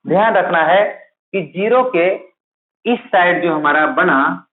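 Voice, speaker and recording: A man with a fairly high voice delivers a classroom-style math lesson, firing questions at his students and answering them himself. The recording is thin and phone-like, with an echoey room around him. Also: unhurried. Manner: asks a question then answers it himself, repeating key terms. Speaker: math teacher for teaching exams.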